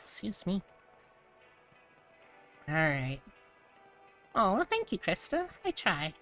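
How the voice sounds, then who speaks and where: A woman's voice: mid-range voice, huge pitch swings, takes it slowly, fairly bright tone, soft background music. A woman hosting a casual live stream, chatting and thinking aloud in a rambling way. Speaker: streamer host.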